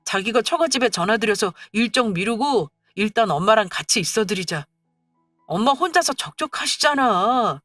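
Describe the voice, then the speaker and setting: A woman's voice: fairly high pitch, lively intonation, moderate pace, a bit bright, no echo, studio quality, faint music behind. A woman voicing a petulant young husband who scolds and whines in an exasperated way. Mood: patronizing.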